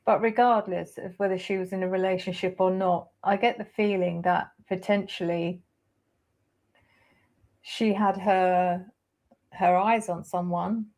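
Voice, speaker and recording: A woman hosting a live tarot stream, laying out cards and thinking aloud with hesitant pauses. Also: mid-range voice, steady tone, darkish tone. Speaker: tarot reader host.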